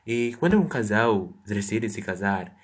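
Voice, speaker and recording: A man's voice: fairly low pitch, expressive, a little slow, husky. A man answering interview questions as a guest, reading prepared answers with stumbling restarts.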